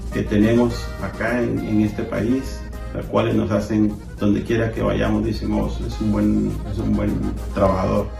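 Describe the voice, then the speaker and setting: A man, interviewed about his life abroad, speaking in a slow, halting and heartfelt way. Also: on the low side, vocal fry. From Guatemala. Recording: roomy, distant with music.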